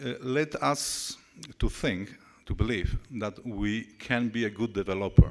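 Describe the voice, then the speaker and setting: A man with a non-native accent, fairly slow in pace, with ordinary pitch variation. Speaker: engineering contractor CEO. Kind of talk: panel discussion.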